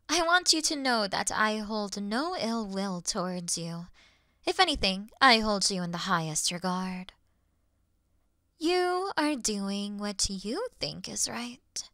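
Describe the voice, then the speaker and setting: Demon queen, played by a woman: regal, sincere, measured and soft-spoken, with a bright edge, recorded dry for fantasy roleplay audio. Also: medium pitch, no echo, full character voice. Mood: calm, respectful. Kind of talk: scripted fantasy audio roleplay addressed to the listener.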